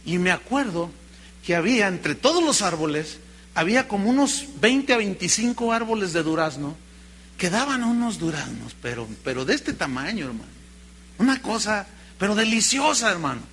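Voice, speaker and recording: Mexican pastor preaching, high bright voice, lively storytelling, keeps saying brother. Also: male voice, moderate pace. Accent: Mexican Spanish. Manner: animated storytelling, addresses listeners as brother. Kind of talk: sermon.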